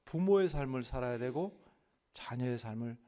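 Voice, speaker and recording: A male pastor preaching a sermon, moving from quiet, earnest talk to loud, impassioned pleading. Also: mid-range voice, expressive, normal speed.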